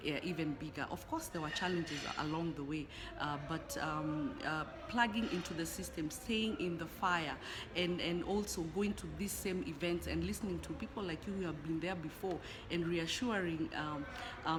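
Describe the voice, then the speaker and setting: Earnest woman from Kenya, lowish voice. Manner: earnest, steady, repeats words as she thinks. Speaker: network marketing leader, guest. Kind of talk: interview answer. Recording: noisy hotel lobby.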